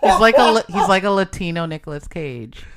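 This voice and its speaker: A woman co-hosting a comedy podcast in a studio, playful and quick to giggle. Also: lowish voice, animated, heavy background noise. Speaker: podcast co-host. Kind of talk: joking casual chat.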